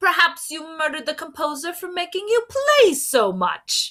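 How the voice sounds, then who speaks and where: In a put-on character voice, a woman speaks at a moderate pace at an extremely high pitch, with very wide pitch swings. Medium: read story. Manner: pompous, theatrical.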